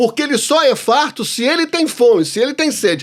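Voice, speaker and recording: Lively in intonation, a man speaks at a fairly quick pace. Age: 60s. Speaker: pastor. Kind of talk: casual chat.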